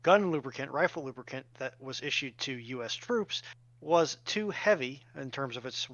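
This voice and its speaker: A man's voice: mid-range voice, expressive, normal speed, fairly bright tone, no room sound, muffled recording. Dry-recorded man reading questions aloud. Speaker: co-host reading audience questions.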